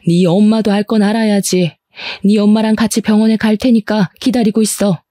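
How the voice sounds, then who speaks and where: A woman's voice: medium pitch, fairly even intonation, mellow, no echo, studio quality, lightly acted. A woman voicing an outspoken, protective aunt. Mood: indignant. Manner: brisk, indignant, protective.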